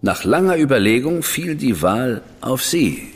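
An actor playing a cool, arrogant government official who speaks in a measured, superior, quietly threatening way. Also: male voice, mid-range voice, big pitch swings, slightly rough, long reverb tail. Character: cool, arrogant high official, man, middle-aged. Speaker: government official recruiting an investigator. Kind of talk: radio play acting.

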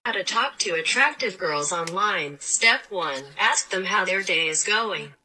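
A woman announces scripted steps in a very bright, sharp voice. She takes her time over each phrase, reading it out like a title card. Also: mid-range voice, lively intonation, measured pace, slight background noise, rough recording. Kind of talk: scripted step-by-step narration.

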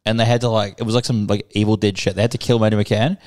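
A man's voice: on the low side, flat delivery, fast. A young man co-hosting a casual podcast from a living room couch into a handheld mic, joking crudely and swearing a lot. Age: young adult. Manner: swears a lot, jokes loudly. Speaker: podcast co-host.

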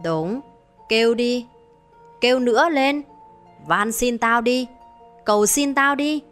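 A woman's voice: expressive, a little slow, a bit bright, soft background music. Woman doing a sneering cruel village wife. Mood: gloating. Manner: sneering, taunting, shrill. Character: cruel scheming middle-aged village wife. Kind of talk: dramatized horror storytelling.

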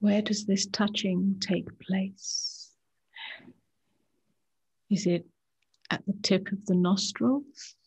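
A woman meditation teacher guiding a practice in a soft, hushed voice that often nears a whisper, with short unhurried phrases. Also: mid-range voice, steady tone, creaky, breathy edge. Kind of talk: guided meditation, slow and gentle with long pauses.

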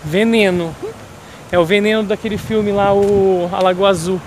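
A Brazilian vlogger chats casually with his viewers while walking down a city street, filming on a handheld phone and repeatedly calling them "gente." His voice is high with fairly even intonation at a normal speed. The outdoor phone recording is noisy, with street traffic and ambient sound behind him.

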